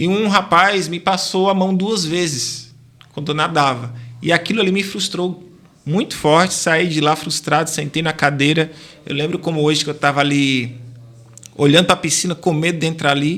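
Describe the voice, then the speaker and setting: Here a man speaks at a fairly high pitch in a bright, sharp tone. His pace is moderate, and his pitch varies in an ordinary way. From Northeast Brazil, Natal (Rio Grande do Norte). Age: 30s. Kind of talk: testimony.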